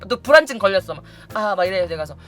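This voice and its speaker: A woman's voice: mid-range voice, expressive, rapid-fire, faint music behind. A woman casually telling a funny story to her viewers, acting out other people's lines and laughing often. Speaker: YouTube storyteller.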